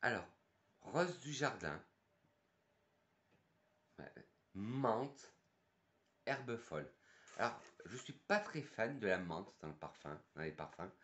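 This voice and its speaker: Speaking with a lowish, slightly bright voice, this Frenchman, who works as a perfume YouTuber and sales advisor, talks through perfumes in a relaxed way. His French accent comes through as he thinks out loud, using fillers and starting over.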